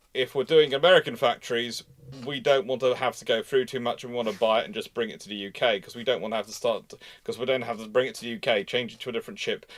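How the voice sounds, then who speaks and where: A man's voice: medium pitch, a bit bright. A man hosting a live history discussion, talking off the cuff, putting rhetorical questions and rephrasing his points as he goes. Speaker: host of a live naval history show. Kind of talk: live panel discussion, unscripted explanation.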